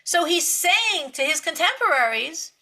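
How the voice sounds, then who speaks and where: A woman giving a spiritual Torah lecture, telling stories with lively emphasis, repeating words and laughing lightly between points. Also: very high voice, measured pace. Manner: animated storytelling with emphatic repetition. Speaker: Torah teacher.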